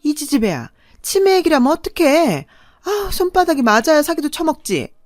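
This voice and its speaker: Woman doing a shrill domineering old mother. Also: sing-song, normal speed, dry recording, clean studio sound. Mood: hissing. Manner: shrill, loud berating. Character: scolding older mother, harsh and domineering.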